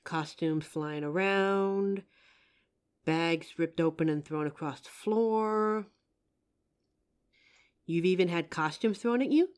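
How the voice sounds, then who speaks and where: Playing a young psychic in a scripted roleplay drama, a young adult woman sounds earnest, confident and helpful as she addresses the listener, polite and assured. Her lowish, smooth, darkish voice moves slowly, with frequent pauses.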